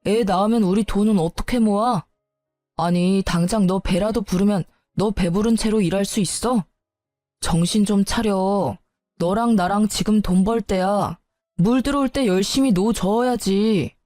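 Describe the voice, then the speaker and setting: A woman's voice: medium pitch, normal speed, warm tone, dry recording, soft background music, close to an everyday voice. A woman voicing a young husband who sighs, brushes off and scolds, in a Korean story reading. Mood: scolding. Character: young husband, defensive and impatient.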